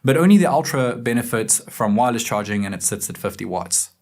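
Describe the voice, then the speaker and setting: Man, average pitch, factual scripted review narration. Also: lively intonation, fairly quick, a little mellow. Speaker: tech reviewer.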